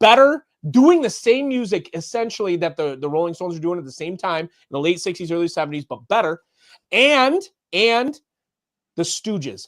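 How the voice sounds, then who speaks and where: A man with an American accent speaks at a moderate pace in a high pitch with very wide pitch swings, the sound dry and close with no echo on a very clean recording with a silent background. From Michigan. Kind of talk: casual chat.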